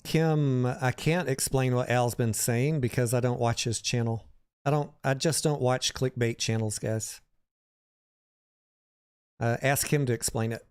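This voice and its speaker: A man's voice: mid-range voice, steady tone, a little slow, darkish tone, smooth. A man hosting a livestream, talking casually about the stock market and answering viewers by name in a conversational way.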